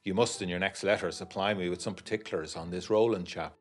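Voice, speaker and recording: Actor as low-voiced genteel gentleman letter-writer. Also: steady tone, quick pace, faint music behind, lightly acted. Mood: wry, confiding. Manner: literary, genteel, wryly confiding. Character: genteel young gentleman war veteran writing letters, uneasy, wry. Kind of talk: scripted first-person letter narration, gothic period audiodrama.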